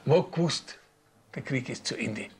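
A man's voice: mid-range voice, normal speed, breathy edge. An older man telling what happened in casual dialect. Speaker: eyewitness. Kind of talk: interview testimony.

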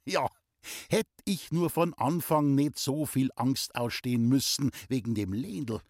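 A man's voice: mid-range voice, measured pace, darkish tone, dry recording, studio quality. A man reading a novel aloud and voicing a boastful young village man in Bavarian dialect.

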